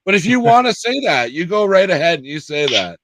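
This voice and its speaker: A man's voice: high-pitched, big pitch swings, brisk, a bit bright. A man co-hosting a casual chat show, joking and laughing often. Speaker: podcast co-host.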